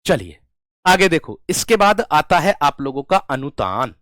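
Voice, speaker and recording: A man teaching a Hindi class, slowly repeating words, addressing students as friends, while running a fever. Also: a little high, sing-song, fairly bright tone, dry recording, studio quality. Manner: slow, drawn-out repetition of words. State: has a fever. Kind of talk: online class lecture.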